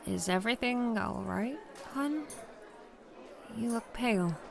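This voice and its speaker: A woman's voice: fairly high pitch, expressive, takes it slowly, vocal fry, crowd noise, heavily acted. A woman playing a breezy, caring friend with a casual, chatty manner in an audio drama. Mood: concerned. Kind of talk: naturalistic audio drama acting.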